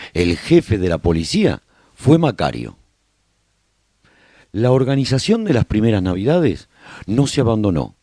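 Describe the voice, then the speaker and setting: A man playing a survivor who recounts life in a post-apocalyptic colony, narrating a radio serial in an expressive, husky storytelling voice. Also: low-pitched, no echo, studio quality, heavily acted. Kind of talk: scripted first-person radio drama narration.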